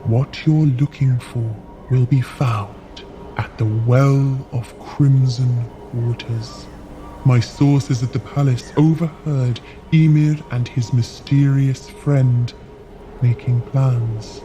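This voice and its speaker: A man playing a solemn, idealistic, weary frost giant in an audio drama, speaking in grave, measured storytelling. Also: mid-range voice, fairly even intonation, music in the background, close to an everyday voice, low-quality recording. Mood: earnest, resolute. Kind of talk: scripted audio drama acting.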